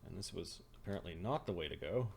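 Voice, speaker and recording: A man's voice: deep voice, lively intonation, quick pace, creaky, a little mellow, a little hiss or hum. A man narrating a tabletop role-playing game as game master, describing scenes as he improvises them.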